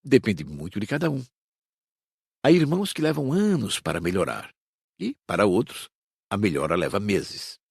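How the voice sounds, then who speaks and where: Male actor as patient spirit instructor, Brazilian accent, didactic, measured, deep-leaning, very animated pitch, audiobook. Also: vocal fry, slightly rough, no room sound, clean studio sound, exaggerated voice. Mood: calm, instructive. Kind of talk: audiobook dramatized reading.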